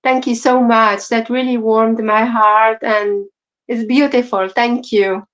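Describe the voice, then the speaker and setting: A woman with a French accent co-hosting a casual crochet livestream, soft-spoken and apologetic with many fillers. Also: fairly high pitch, fairly even intonation, slow. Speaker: co-host. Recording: dull lo-fi stream audio.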